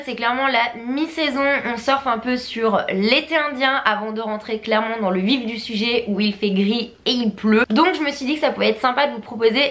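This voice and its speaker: A woman's voice: on the high side, fairly bright tone. Chatty woman with a cold. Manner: chatty, upbeat, many fillers. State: stuffy, nasal from a cold. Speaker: fashion vlogger. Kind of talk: casual chatty vlog.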